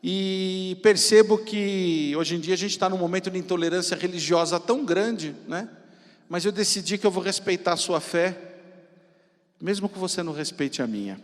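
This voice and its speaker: A man's voice: high voice, moderate pace. A Brazilian man in his fifties with a São Paulo accent, giving an informal, theatrical motivational talk about his own story from a stage. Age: 50s. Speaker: entrepreneur speaking at a festival. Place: stage of a large event hall. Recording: reverberant hall with long echo.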